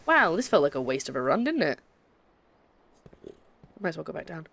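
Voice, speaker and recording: A woman's voice: sits low, sing-song, normal speed, creaky, fairly bright tone, dry recording. A young Scottish woman chatting casually while streaming a puzzle game, rambling and breaking off mid-thought. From Scotland. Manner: chatty, rambling, with frequent self-interruptions.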